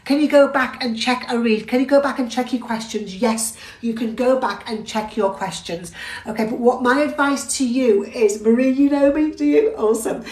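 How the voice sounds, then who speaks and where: A woman's voice: on the high side, normal speed, roomy sound, rough recording. A British woman, a driving instructor, giving an upbeat live theory-test lesson and talking straight to her viewers. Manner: upbeat, talks straight to viewers, reads out comments. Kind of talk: live-streamed lesson, chatty and encouraging.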